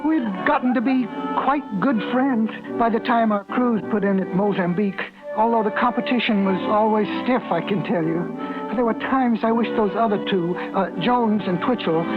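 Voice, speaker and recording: A man's voice: sits high, normal speed, close to an everyday voice. A man playing a timid, fussy store clerk who narrates a 1950s radio drama, hesitant and stammering. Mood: fretful. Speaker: lead actor and narrator. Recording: tinny old radio broadcast with music.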